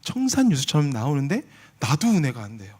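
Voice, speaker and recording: Lively high-voiced male preacher. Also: brisk, slightly rough. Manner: animated storytelling, acting out prayers and dialogues. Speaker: missionary preacher. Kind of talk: sermon with personal testimony. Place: large church sanctuary.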